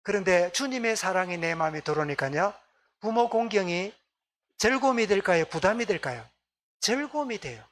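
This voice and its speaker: In the church sanctuary, this Gyeongsang-accented pastor keeps asking his Sunday congregation questions and echoing their replies. He speaks at a moderate pace in a high, animated, fairly bright voice.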